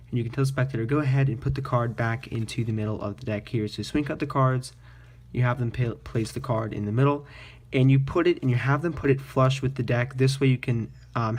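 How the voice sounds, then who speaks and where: A man presenting a card trick tutorial in casual magician patter, explaining informally step by step. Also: medium pitch.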